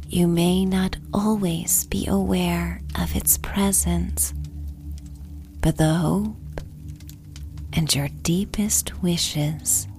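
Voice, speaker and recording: Very slow, soft woman narrating a sleep story. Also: lowish voice. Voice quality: soft, breathy, half-whispered. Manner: gentle, unhurried, pausing between short phrases. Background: music.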